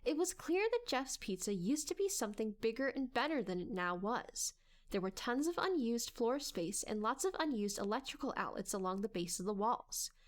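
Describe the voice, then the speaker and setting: A woman reading scripted story narration in a dramatic audiobook style. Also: fairly high pitch.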